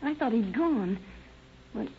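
A woman's voice: fairly high pitch, animated, takes it slowly. A woman playing a polite, anxious young American shopgirl in a 1930s radio crime drama. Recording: dull, noisy old radio recording.

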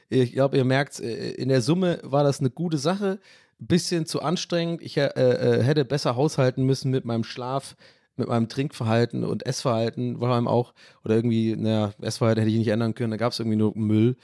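A man's voice: mid-range voice, mellow, no echo, clean studio sound. A young man hosting a casual solo podcast, rambling and ranting with casual swearing. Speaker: podcast host.

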